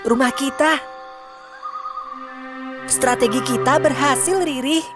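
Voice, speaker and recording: Clever little boy, lively and upbeat, kinda high. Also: slow, music in the background. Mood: reassuring. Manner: lively and reassuring. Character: clever, brave young boy, the older brother. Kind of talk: cartoon voice acting.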